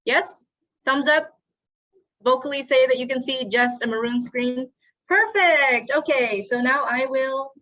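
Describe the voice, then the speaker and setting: A woman runs an online meeting and sets up screen sharing. She speaks very slowly, giving instructions one step at a time, in a fairly high voice. The call audio sounds dull. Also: sharp tone. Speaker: meeting organizer. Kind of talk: casual tech setup on a call. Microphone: video call.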